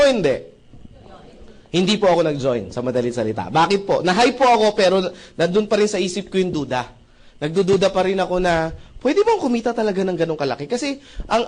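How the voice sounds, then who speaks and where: A seminar speaker tells his testimony as a motivational story, acting out the conversations and often asking the audience whether they agree. His delivery is animated, leaping in pitch and volume.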